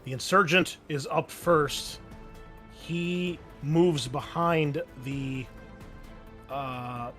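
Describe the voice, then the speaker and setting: A man's voice: a little high, steady tone, extremely slow, a bit bright, soft background music. A man working as game master, narrating and refereeing a tabletop roleplaying game in a casual way.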